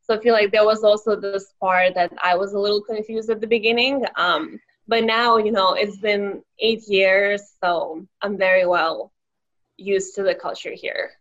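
A woman's voice: medium pitch, fairly even intonation, moderate pace, a bit bright, highs cut off. Young Lithuanian woman, interview guest. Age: young adult. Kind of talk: casual interview answers.

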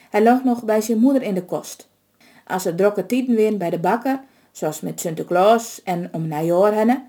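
Dark-toned woman telling a folk tale. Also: medium pitch. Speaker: storyteller. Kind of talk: reading a folk tale aloud.

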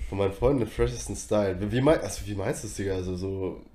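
A man's voice: on the low side, fast talker, warm tone. A young man co-hosting a podcast in casual chat, slangy and rambling with lots of fillers. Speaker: podcast co-host.

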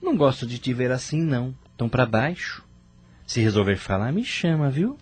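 An actor playing an affectionate, gently effusive gay male friend in a radio soap opera. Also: medium pitch, expressive, normal speed, breathy edge. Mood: concerned.

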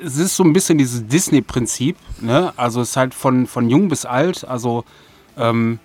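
A man with an average-pitched voice speaks as a guest on a podcast. He explains his points in colloquial, easygoing everyday language. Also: normal speed, noisy background. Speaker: audio drama maker, interview guest. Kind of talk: casual chat.

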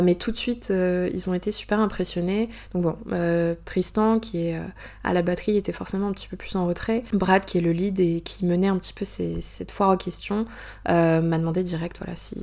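A young woman from France tells a personal story in a loose, chatty monologue. Her voice sits a little low for a woman. She pauses often, fills gaps with hesitations and drops in quick asides. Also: steady tone, gravelly, darkish tone. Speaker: author telling a personal story.

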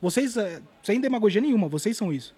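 A man tells stories at a rapid clip, his voice pitched high with a husky grain. He talks in an animated, slangy way and drops casual swears. He is a guest artist in a relaxed interview.

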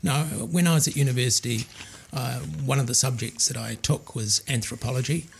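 An older man, an archaeologist, answering interview questions in a measured, thoughtful way. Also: mid-range voice, vocal fry. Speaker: archaeologist guest. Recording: faint background noise.

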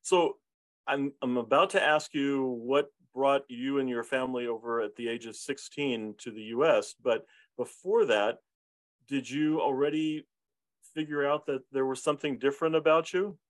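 A man's voice: mid-range voice, fairly even intonation, normal speed, no echo, poor audio. A man hosting an interview, asking questions and giving frequent affirmations. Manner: affirming, with repeated backchannels. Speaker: podcast host and interviewer. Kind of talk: friendly interview chat.

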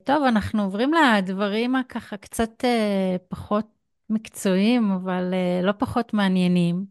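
A woman's voice: mid-range voice, smooth, dry recording, clean studio sound. A woman with an Israeli accent hosting a conversational podcast interview. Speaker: podcast host.

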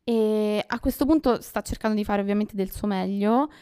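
A woman co-hosting a casual podcast, weighing her points with frequent pauses and fillers. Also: medium pitch, mellow, clean tone. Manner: thoughtful, hesitant, many fillers. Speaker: podcast co-host. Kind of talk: casual news chat.

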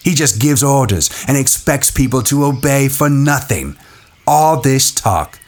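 A man voicing a headstrong, contemptuous boy in an audiobook, talking forcefully and insistently. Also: mid-range voice, expressive, unhurried, pitched above the performer's own voice, lightly acted. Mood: scornful. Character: headstrong boy hunter leader, contemptuous and defiant.

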